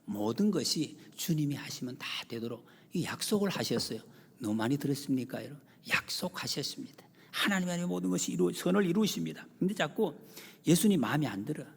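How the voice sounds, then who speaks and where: A man's voice: fairly high pitch, lively intonation, brisk, vocal fry, slightly rough. Male preacher in a reverberant church. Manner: emphatic preaching, swings between loud exclamations and hushed whispers; addresses the congregation often as "여러분". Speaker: pastor. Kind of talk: sermon. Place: church sanctuary. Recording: long church hall reverb.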